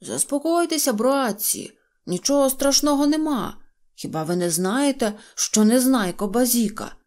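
A woman voicing a sensible little boy from a fairy tale who calmly reassures the others. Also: sits high, moderate pace, pitched above the performer's own voice. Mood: reassuring. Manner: soothing, reasoning. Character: calm sensible clever little shorty boy.

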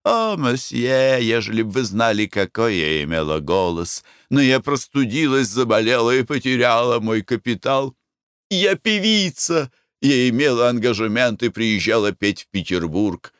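A man's voice: mid-range voice, lively intonation, normal speed, a bit bright, clear, resonant tone, no echo, studio quality, natural voice. A man voicing an effusive, stout, middle-aged French woman, a former singer, with a French accent and a gushing, theatrical manner.

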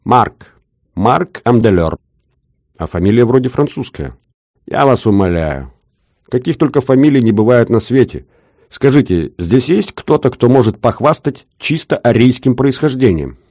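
A man's voice: mid-range voice, animated, normal speed, a little mellow, no room sound, clean studio sound, pitched above the performer's own voice. A man voicing a shrewd older jeweler with an Odessa accent, talking in a wheedling, sing-song bargaining patter. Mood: effusive. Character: shrewd older male jeweler, haggling, fussy.

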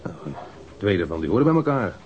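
A shifty male mugger being questioned in a radio drama. His voice is low, and he rambles defensively in slangy, halting phrases. The recording is dull and lo-fi. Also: sing-song. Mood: insistent, irritated. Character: evasive male street mugger under police questioning. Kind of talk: naturalistic radio drama acting.

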